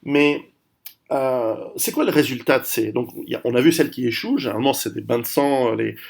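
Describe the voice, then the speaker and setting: Gravelly-voiced man rambling through history. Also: medium pitch, fairly quick, darkish tone. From Italian heritage. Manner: rambling, many restarts and fillers. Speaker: video host. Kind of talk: casual history talk to camera.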